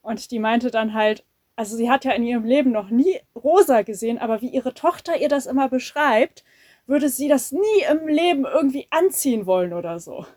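A woman's voice: on the high side, expressive, a little fast, a little mellow, no echo, studio quality. Hesitant woman telling an anecdote. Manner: hesitant storytelling with fillers. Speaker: podcast co-host. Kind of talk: casual podcast chat.

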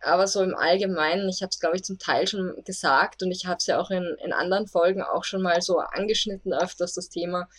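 A woman's voice: lowish voice, fairly even intonation, fairly quick, few pauses, fairly bright tone, breathy edge. A person in their twenties from Austria with a woman-sounding voice, hosting a podcast in a friendly, slightly hesitant way. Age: 20s. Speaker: podcast host. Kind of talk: casual podcast chat.

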